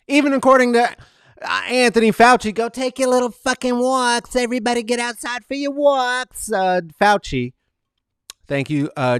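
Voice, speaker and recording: A man hosting a casual comedic monologue, rambling and profane, animated and full of fillers. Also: fairly high pitch, clear, resonant tone, dry recording, studio quality. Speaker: podcast host.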